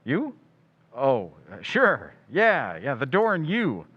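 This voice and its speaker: A man's voice: mid-range voice, huge pitch swings, slow pace, slightly rough, full character voice. A man playing a breezy, wisecracking crime photographer in an old-time radio drama, with a casual, wry, slangy delivery. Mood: wry, offhand. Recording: slightly dull, lo-fi sound.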